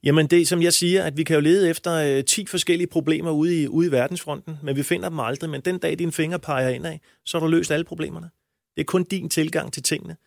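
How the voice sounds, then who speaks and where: A man's voice: fairly high pitch, fairly even intonation, gravelly, no echo, clean studio sound. A man talking as a coach in an interview, blunt and emphatic, with frequent crude language. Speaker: men's coach. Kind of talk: interview answers.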